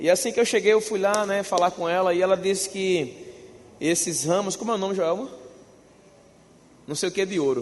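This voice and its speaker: A man's high-pitched voice, long, frequent pauses and audible room echo. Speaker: pastor. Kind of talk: sermon. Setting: church. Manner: softer than usual, trying not to raise voice; animated.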